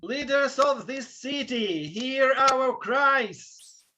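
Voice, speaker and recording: Dull-sounding, high-voiced tragic suppliant. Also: male voice, lively intonation, very slow, sharp tone, slight background noise, full character voice. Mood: beseeching. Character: beseeching foreign suppliant in a Greek chorus. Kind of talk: dramatic reading of ancient Greek tragedy. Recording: dull video-call audio.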